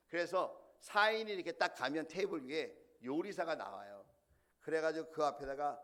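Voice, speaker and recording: Middle-aged pastor guy preaching, gravelly voice, asks the congregation stuff, tells stories with lots of energy. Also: medium pitch. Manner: animated storytelling with direct questions to the congregation. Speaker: senior pastor. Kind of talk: sermon.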